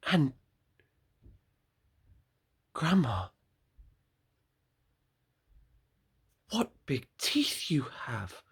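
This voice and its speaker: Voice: medium pitch, huge pitch swings, extremely slow, slightly rough, pitched above the performer's own voice, exaggerated voice. A teacher voicing a frightened little girl in a red hood, gasping and pleading in a storybook reading. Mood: wary, wondering. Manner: wide-eyed, gasping, pleading.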